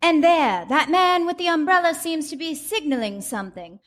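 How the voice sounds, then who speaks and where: Woman playing a high-voiced, gutsy First Lady. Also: expressive, normal speed, fairly bright tone. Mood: wondering. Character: gutsy, breezy American First Lady, observant and game. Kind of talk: live comedic radio play acting.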